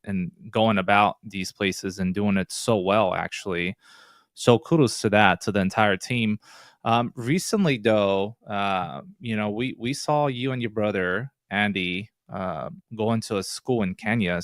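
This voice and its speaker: A man's voice: on the low side, clean tone, dry recording, clean studio sound. A man co-hosting a podcast, praising the team and asking the guest to walk through an experience. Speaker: podcast co-host. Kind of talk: casual interview questions.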